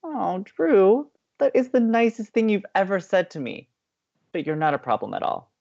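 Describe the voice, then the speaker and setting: A man's voice: high voice, sing-song, moderate pace, gravelly, darkish tone, dull audio, exaggerated voice. A man playing an upbeat, playful young college radio co-host with an American accent, teasing and eager, in audio drama banter. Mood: earnest. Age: young adult.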